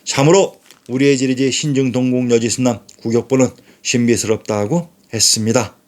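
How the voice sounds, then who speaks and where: A man's voice: mid-range voice, normal speed. Man narrating a scripted history lecture. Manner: steady lecturing delivery, reading quotations aloud. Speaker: channel narrator. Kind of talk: scripted narration reading from sources.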